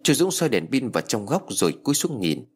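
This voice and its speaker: A man narrating a ghost story in a dramatic, expressive style. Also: medium pitch, brisk, a little hiss or hum.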